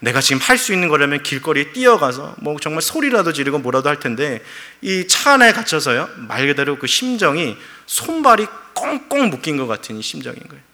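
A man's voice: on the high side, big pitch swings, a little fast, few pauses, sharp tone. A middle-aged man preaching a sermon as pastor, telling a story with feeling and acting out quoted prayers.

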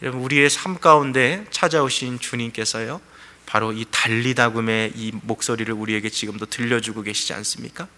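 A man preaching from a church pulpit in a bright, forceful voice. He tells the story in lively sermon style, often pausing on fillers. His voice rings with the long reverb of the sanctuary. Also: mid-range voice. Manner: storytelling preaching with frequent fillers and shifting emphasis. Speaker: pastor.

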